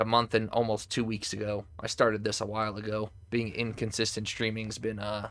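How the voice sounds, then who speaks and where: A man's fairly low, monotone voice at a fairly quick pace, with hardly any pauses. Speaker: gaming streamer. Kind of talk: casual gameplay commentary. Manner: mumbling.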